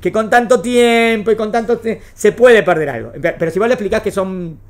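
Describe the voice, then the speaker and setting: A woman's voice: medium pitch, a little fast. A woman with a Rioplatense Spanish accent teaching a class, often checking whether her students have understood. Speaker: religious studies teacher. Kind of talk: classroom lecture.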